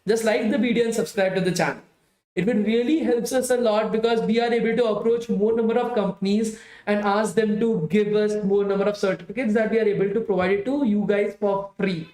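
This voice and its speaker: A man's voice: high voice, fairly even intonation, fairly quick, darkish tone, reverberant, rough recording. A man, a tired bootcamp instructor with a strained voice, wrapping up a live coding class and chatting with students. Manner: chatty, repeats "guys" often, pleads for likes. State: tired, strained voice from hours of talking.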